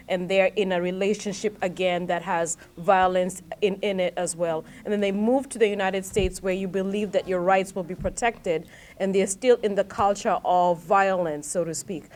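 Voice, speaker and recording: A woman's voice: medium pitch, steady tone, moderate pace, a little mellow. A woman moderating a seminar panel, summarizing answers and asking probing follow-up questions. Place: seminar hall.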